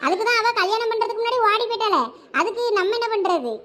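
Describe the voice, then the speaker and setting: A woman's voice: very high voice, fast, sharp tone. A woman voicing a short-tempered, sarcastic village wife in a cartoon, scolding and complaining in a Thoothukudi Tamil accent. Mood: insistent. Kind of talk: dialect cartoon family comedy dialogue.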